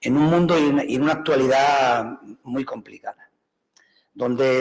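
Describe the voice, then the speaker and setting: A man speaks at a fairly slow pace in a fairly high voice. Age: 60s. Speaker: provincial government president. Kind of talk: welcome speech. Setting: plenary hall, conference audience. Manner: halting, many repetitions.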